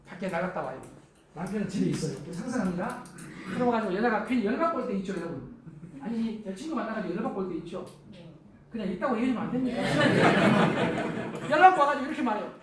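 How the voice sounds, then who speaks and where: A middle-aged man giving a lively lecture to a live audience, acting out the spouses he quotes in a raised voice. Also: high voice. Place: lecture hall. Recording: echoey hall from far off, faint noise.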